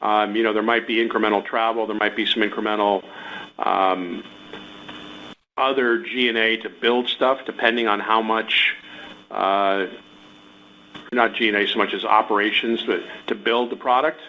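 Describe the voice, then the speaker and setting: A man's voice: fairly low pitch, steady tone, normal speed, bright, forceful tone. A man speaking as a company executive on an earnings call, explaining things to investors with examples. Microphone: conference call line. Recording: dull conference call audio with hum.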